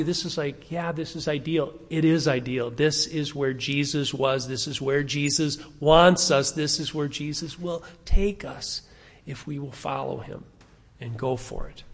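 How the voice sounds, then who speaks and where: Sixties guy preaching, chatty, asks the crowd stuff, kinda high voice, big echoey church. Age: 60s. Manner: conversational, asks the congregation questions. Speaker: pastor. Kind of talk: sermon. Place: church sanctuary.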